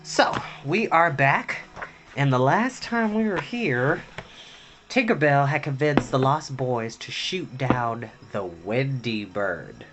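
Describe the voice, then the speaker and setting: A man's voice: medium pitch, animated, takes it slowly. A man hosting a casual story time livestream with sassy, campy drag-queen flair, chatting sweetly to viewers. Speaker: host of a live story time stream. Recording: music playing behind the voice. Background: soft ambient background music.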